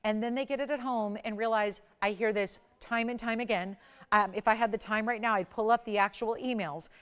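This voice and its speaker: A woman in her forties hosts a live jewelry shopping broadcast with a smooth, resonant voice pitched a touch high. She sells with eager, emphatic energy, hammering home the same points over and over. Her delivery is polished and persuasive throughout. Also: fairly even intonation, fairly quick, a bit bright. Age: 40s. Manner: enthusiastic, emphatic, repeats selling points.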